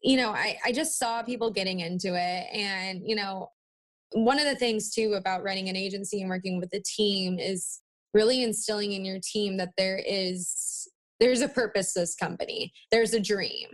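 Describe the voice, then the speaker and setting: A woman's voice: medium pitch, normal speed. A woman in her twenties chatting as a podcast interview guest in a valley-girl manner, peppering her talk with "like" and "you know". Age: 20s. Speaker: interview guest, marketing agency owner. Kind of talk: casual podcast interview chat.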